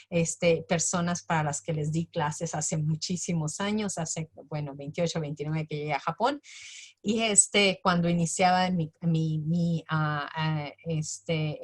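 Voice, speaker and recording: A Mexican woman in her fifties speaks on a video call from a small school room. Her voice sits fairly low, and she talks haltingly, with many fillers and restarts. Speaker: bilingual education speaker.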